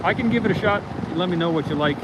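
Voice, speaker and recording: A man's voice: high voice, racing. A man hosting a casual livestream outdoors, chatting loosely with viewers and reading their comments aloud. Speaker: livestream host. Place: outdoors near a launch site. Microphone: iPhone, built-in mic. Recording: loud wind noise on phone mic. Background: wind and vehicle noise.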